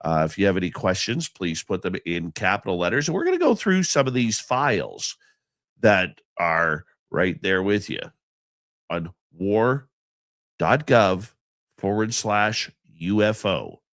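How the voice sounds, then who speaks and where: A man's voice: sits low, wildly swooping pitch, measured pace, a bit bright, no echo. Sleepy stuffed-up guy hosting a live radio stream, chatty and rambling, voice bouncing all over, dry sound. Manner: rambling, chatty, affectionate with viewers. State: congested, stuffy nose; sleepy, just woken up. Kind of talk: casual live show chat, reading out chat names.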